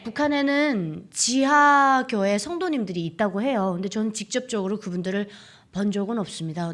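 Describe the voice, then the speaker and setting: A young woman from North Korea giving an earnest church testimony, speaking straight to the congregation and sometimes dropping to a hushed whisper. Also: medium pitch. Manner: earnest, addresses audience often, drops to a hushed whisper.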